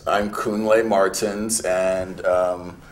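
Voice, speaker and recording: A man's voice: low-pitched, flat delivery, slow. Laid-back New man, rambling. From New York City. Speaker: artist. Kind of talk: casual conversational interview.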